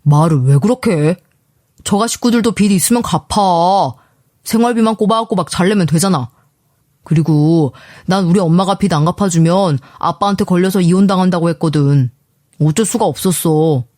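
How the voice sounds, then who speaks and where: Storybook husband, aggrieved and defensive, read by a woman, lowered voice, dry close mic. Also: normal speed, darkish tone, no echo, natural voice. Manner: aggrieved, accusing. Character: defensive young husband, angry, mother-loyal.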